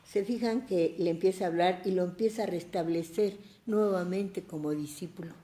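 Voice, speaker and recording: A woman's voice: lowish voice, normal speed, mellow, roomy sound. A woman with a Mexican accent leading a church Bible study and giving an emotional personal testimony, fervent and exclamatory. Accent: Mexican Spanish. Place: church hall.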